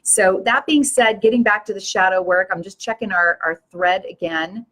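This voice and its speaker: An older woman hosts her own live-stream show, her medium-pitched voice a bit bright and at normal speed. With earnest passion, she delivers a preachy, rousing talk to her viewers.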